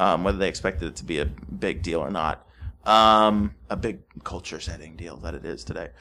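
A man's very deep, low voice with a bright, sharp tone, ordinary pitch variation, vocal fry, big swings in loudness and a moderate pace. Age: 20s. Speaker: podcast guest, hosts his own podcast. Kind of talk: casual chat. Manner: halting.

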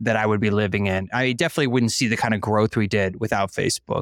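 Using an ordinary speaking voice, a man with an American accent and medium pitch talks at a fairly quick pace with ordinary pitch variation on a very clean recording with a silent background. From US Midwest, Northern Michigan. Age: 40s. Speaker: entrepreneur, apparel company founder. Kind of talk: casual interview chat.

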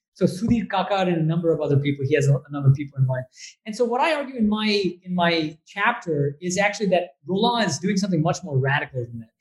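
An American-accented man talks at a very fast pace. His high pitch carries lively intonation. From US. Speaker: professor and swami. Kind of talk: interview.

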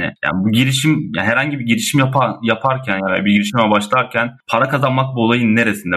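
At a fairly quick pace, a man speaks at a medium pitch with ordinary pitch variation and a bright, sharp tone. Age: 20s. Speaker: sales manager. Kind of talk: casual chat.

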